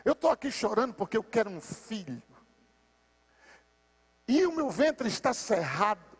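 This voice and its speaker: A man voicing a grieving barren woman who prays in bitterness, speaking low and softly within a sermon. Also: very animated, measured pace, husky, heavily acted. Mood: pleading.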